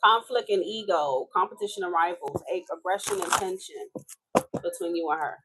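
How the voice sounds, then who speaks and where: A woman's voice: fairly low pitch, moderate pace, very noisy. A woman from Haiti with a Haitian accent, reading tarot live in a casual, chatty way, swearing and laughing as she talks. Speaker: tarot reader.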